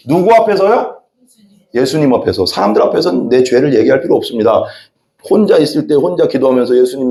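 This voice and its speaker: A man preaching from the pulpit with a fairly high, very lively voice that swings up and down as he makes his points. He keeps turning to the congregation with questions. The sound rings around a roomy church sanctuary. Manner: animated, talks directly to the congregation with frequent questions. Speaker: pastor. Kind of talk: sermon. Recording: echoey church hall.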